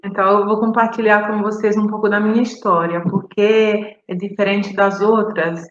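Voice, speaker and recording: A woman from Brazil who grew up in Italy, telling her personal story at an unhurried, reflective pace and pausing to search for words. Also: medium pitch, little pitch movement, reverberant, highs cut off. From Brazil, raised in Italy. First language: Italian. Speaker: guest on a live stream. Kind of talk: personal storytelling on a video call.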